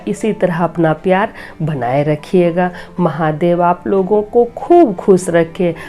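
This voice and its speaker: Slow, mellow-voiced woman, slightly hoarse. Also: fairly low pitch. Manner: earnest, preachy, gently advising. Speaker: devotional storyteller and channel host. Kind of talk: moral talk and devotional storytelling.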